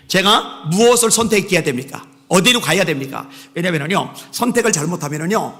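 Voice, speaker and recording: High, gravelly-voiced man preaching emphatically. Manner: emphatic, swings between shouted exhortations and quiet asides; leads the congregation in call-and-response repetition. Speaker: pastor. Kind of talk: sermon. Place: church sanctuary. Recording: long reverb of a church hall.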